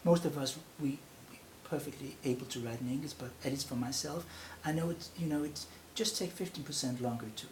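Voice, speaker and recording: A man who is a native Danish speaker and a university lecturer, speaking haltingly in a group discussion and searching for words. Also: on the high side, darkish tone, echoey room, slight background noise, rough recording.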